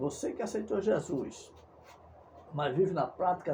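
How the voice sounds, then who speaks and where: Pitched high for a man, this man's voice carries a dark, mellow tone. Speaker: evangelical preacher. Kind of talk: preaching monologue.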